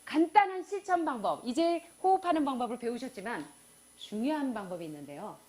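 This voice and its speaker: High-voiced woman giving a faith health lecture. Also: lively intonation, brisk, warm tone. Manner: emphatic, asks the audience many questions, acts out counting down.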